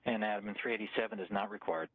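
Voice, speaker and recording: A man's voice: fairly low pitch, flat delivery, rapid-fire, slightly rough, no echo. A man serving as launch conductor, calling formal countdown checks over a radio communications loop in a clipped, procedural manner. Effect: radio comm loop transmission. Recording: dry, tinny radio channel.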